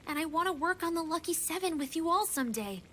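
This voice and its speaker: A wistful young animator, earnest, high voice. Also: female voice, animated, fast, fairly bright tone, slight background noise. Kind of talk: anime dub acting.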